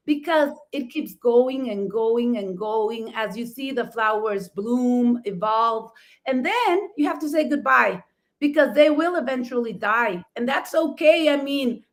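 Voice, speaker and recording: High-voiced Mexican woman, effusive talk show storyteller. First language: Spanish. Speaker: talk show host and florist.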